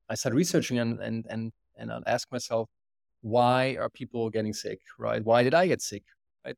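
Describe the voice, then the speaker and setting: A man's voice: fairly low pitch, creaky, dry recording, studio quality. A man from Germany with a German accent, a company co-founder telling his story in a casual interview, earnest and full of restarts. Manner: earnest, many restarts and repeated words. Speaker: guest, company co-founder and CEO.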